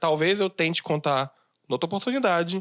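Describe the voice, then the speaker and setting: This man's high voice swings very widely in pitch at a fairly quick pace, with a dry, close sound and no echo. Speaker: podcast host. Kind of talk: casual chat.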